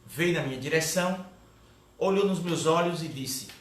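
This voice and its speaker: A middle-aged man gives a first-person testimony at a catechesis, telling it as an animated storyteller who often ends a line with a tag question. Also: fairly high pitch, moderate pace. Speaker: guest speaker at a catechesis. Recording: echoey room with faint background noise.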